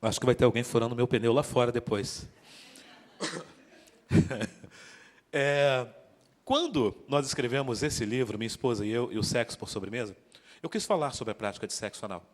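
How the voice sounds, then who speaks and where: Joking preacher in a reverberant hall. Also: male voice, mid-range voice, normal speed, long pauses. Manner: joking, interactive, calls out to the congregation. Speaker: guest preacher. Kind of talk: sermon. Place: church hall. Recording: long church hall reverb.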